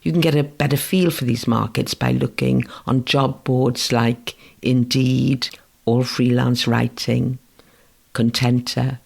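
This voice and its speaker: A man from Wales whose first language is Welsh, giving a scripted lesson on freelance writing in a measured, gentle way. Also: mid-range voice, steady tone, gravelly, husky. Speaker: writing course instructor. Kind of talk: scripted educational narration.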